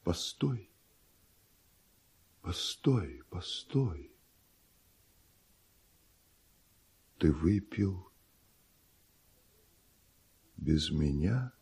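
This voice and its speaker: Radio drama: tormented older rival composer, rock-bottom bass, extremely slow, grave theatrical verse. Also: male voice, animated, darkish tone, breathy edge, full character voice. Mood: hushed alarm. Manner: grave, weighty, deliberate theatrical delivery. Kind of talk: classic Russian radio drama verse acting.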